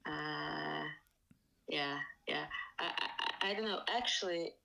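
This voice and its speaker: A woman's voice: low voice, slow pace, vocal fry, sharp tone, low-quality recording. A woman with a Russian accent, speaking English as a third language as a podcast guest, hesitant and full of fillers. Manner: hesitant, many fillers and restarts. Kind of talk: casual interview talk. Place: Estonia.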